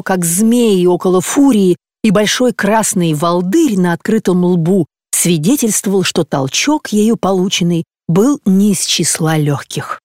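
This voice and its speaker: An audiobook narrator reading classic prose in a measured, even storytelling manner. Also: mid-range voice, dry recording, studio quality. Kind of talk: scripted literary narration.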